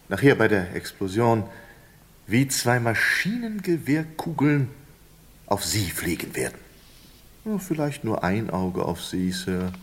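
An actor playing a sly condemned foreign man who mocks his executioners, teasing with whispers and laughs in a radio play. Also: medium pitch. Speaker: condemned prisoner.

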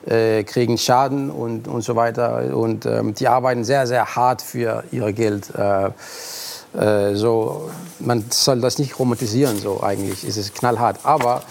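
A Danish-accented man, speaking German as a second language, talks slowly and haltingly with plenty of "äh" as he searches for words. His voice is gravelly with a rough edge, at an ordinary male pitch. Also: fairly even intonation. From Denmark. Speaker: actor guest. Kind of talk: talk show interview.

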